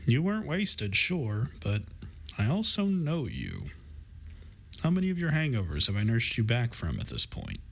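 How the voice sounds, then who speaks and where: A man acting in an intimate audio drama as a warm, teasing gay best friend, speaking in a playful, affectionate and reassuring way. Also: mid-range voice, huge pitch swings, normal speed, vocal fry, slightly rough, full character voice.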